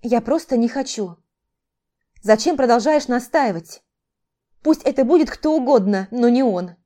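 A woman's voice: fairly high pitch, lively intonation, moderate pace, warm tone, pitched above the performer's own voice, natural voice. A woman voicing the heroine in her own voice, answering curtly and refusing firmly. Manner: curt, firm refusals. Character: cool stubborn young woman heroine.

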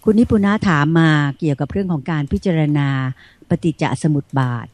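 Brief: female radio host, mellow tone, dry close studio sound, respectful and polite while reading questions. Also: low-pitched, fairly quick, no echo. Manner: very deferential and polite.

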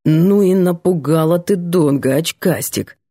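A woman voicing an easygoing young man who soothes and teases his friend, in a lowered, husky voice. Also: a little slow, warm tone, no room sound, studio quality. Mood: teasing. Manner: soothing, playful.

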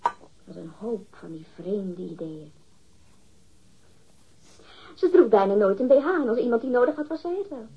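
A woman's voice: mid-range voice, lively intonation, moderate pace, long pauses, a little hiss or hum, natural voice. An actress in a radio drama playing a catty, defensive woman witness, disdainful and emphatic as she gossips. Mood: gossipy. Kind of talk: acted radio drama dialogue. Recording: dull, muffled lo-fi radio recording.

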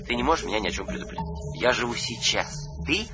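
A man's voice: medium pitch, lively intonation, quick pace, close to an everyday voice. Actor as cocky young man, swinging intonation. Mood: cold, cruel. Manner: mocking, breezy, theatrical. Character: cocky, cruel twenty-year-old man, recorded voice of younger self. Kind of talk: radio drama acting. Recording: background music under the voice.

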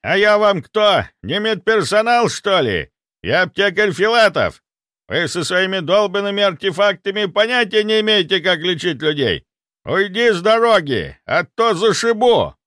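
A man voicing a gruff, contemptuous old grandfather who is an apothecary in an audiobook. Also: sits high, big pitch swings, moderate pace, fairly bright tone, no echo, clean studio sound, voice pushed up. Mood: angry. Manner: gruff, scornful, bossy.

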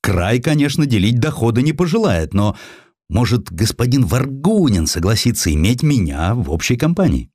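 A man voicing an opportunistic, eager army staff captain in an audiobook, musing in a drawn-out way. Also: mid-range voice, very animated, darkish tone, slightly rough, dry recording, studio quality, pitched above the performer's own voice. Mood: tempted.

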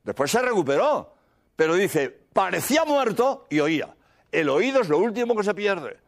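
High, animated priest preaching. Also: male voice, normal speed. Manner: earnest, repetitive, drops to a hushed murmur for prayers. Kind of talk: sermon.

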